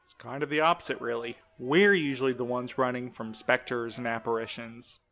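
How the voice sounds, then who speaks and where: A man's voice: medium pitch, fairly even intonation, a little fast, a bit bright, close to an everyday voice. A man playing a wary, protective courier in an audio drama, speaking casually with a sardonic edge. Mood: wry, uneasy.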